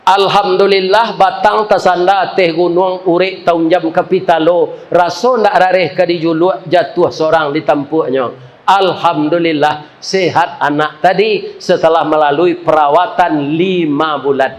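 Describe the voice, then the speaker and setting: High-voiced Minangkabau preacher. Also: male voice. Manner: joking, chuckling asides to the congregation. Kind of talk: humorous sermon storytelling.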